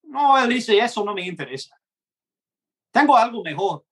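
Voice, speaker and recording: A man preaching a gospel message in Spanish, which is not his first language, in a slow and earnest way, acting out short dialogues. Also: sits high, big pitch swings, a bit bright, slightly rough. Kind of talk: gospel sermon.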